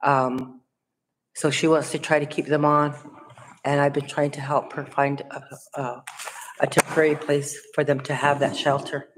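A woman's voice: low-pitched, level tone, moderate pace, slight background noise. A woman giving a report to a tribal council, hesitant with many fillers, in a large chamber. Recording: long reverb in a hall.

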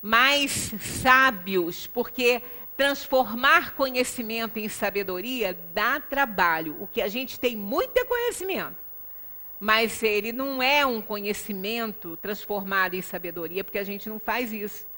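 A middle-aged woman with a Brazilian accent delivers a spiritual talk in a high, forceful voice. She takes her time, stressing points and adding little rhetorical check-ins. The sound rings with long room reverberation. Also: animated, a little slow. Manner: emphatic, with frequent rhetorical tag questions. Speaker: lecturer at a Spiritist center. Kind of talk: religious lecture, explanatory and conversational. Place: small indoor lecture room. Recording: reverberant meeting room, distant microphone.

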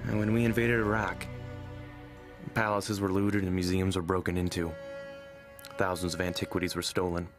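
A man's voice: sits low, flat delivery, normal speed, long pauses, music in the background, natural voice. A male actor playing a resolute, world-weary fugitive ex-soldier in a motion-comic thriller, grave and determined in manner. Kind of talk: dramatic motion-comic voice acting.

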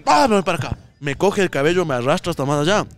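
A man's voice: fairly high pitch, very fast. A young man with an Ecuadorian accent, telling a comic story in a casual podcast chat with vivid sound effects. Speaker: podcast co-host.

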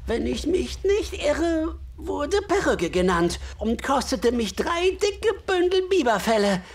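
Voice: sits high, sing-song, slow pace, heavily acted. An actor playing a sly, jovial old male trapper in a radio drama, chuckling often and talking in a folksy, clipped way.

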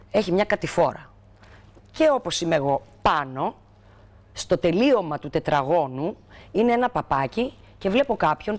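A woman from Greece, a talk show guest, telling anecdotes dramatically and acting out the people in them. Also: fairly low pitch. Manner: dramatic, acts out the people in her stories.

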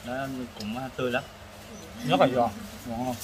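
A man in his thirties hosting a casual food review while eating, speaking haltingly with hesitations and repeated words. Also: mid-range voice, fairly even intonation. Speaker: food vlog host. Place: open-air casual restaurant. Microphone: camera across the table. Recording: noisy eatery ambience, traffic.

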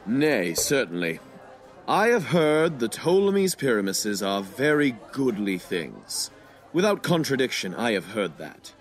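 A man's voice: medium pitch, very animated, a little slow, soft background music. An actor playing a tipsy, gullible, amiable Roman nobleman in a Shakespearean audio drama, speaking with drunken earnestness. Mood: drunkenly earnest.

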